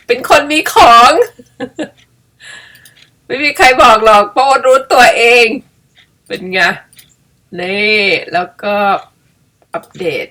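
A woman's voice: a little high, expressive, takes it slowly, long pauses, bright, forceful tone. A middle-aged woman chatting casually and playfully as she tells a story of her own, laughing at herself. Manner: chatty, self-mocking, laughs often. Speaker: storyteller and vlogger. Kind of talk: casual storytelling while editing pictures.

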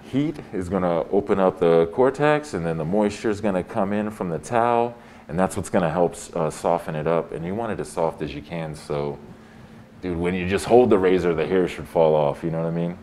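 A man's voice: low voice, brisk, mellow. An American man working as a barber and host, chatting casually in a laid-back, slangy way. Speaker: barber hosting a barbershop video. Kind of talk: casual chat while cutting hair. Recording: clear shop noise with buzzing electric clippers. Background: electric shaver buzz.

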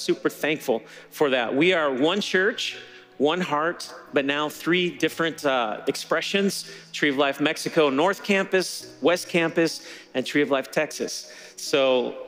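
A middle-aged man preaching a sermon from a church stage on a headset mic, telling stories in a relaxed conversational way. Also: on the high side, a little slow, in a large hall, faint music behind. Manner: conversational storytelling with laughter. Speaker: pastor.

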